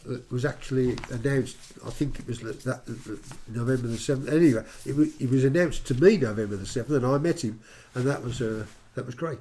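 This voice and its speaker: Talking at a very fast pace in a Birmingham accent, a man with medium pitch has a dark, mellow, somewhat breathy tone and ordinary pitch variation. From England, Birmingham. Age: 80s+. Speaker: musician and songwriter. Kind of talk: casual chat. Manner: halting.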